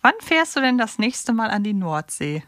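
A woman's voice: a little high, big pitch swings, normal speed, fairly bright tone, no room sound, studio quality. A woman co-hosting a fan podcast in a casual, chatty style. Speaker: podcast co-host.

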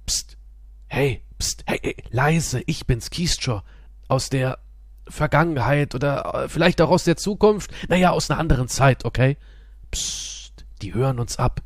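A man's voice: mid-range voice, a little slow, no echo, studio quality. A man reading a sponsor spot in a playful, conspiratorial manner, shushing now and then, as if from another time. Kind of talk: comic ad read as a hushed time traveler.

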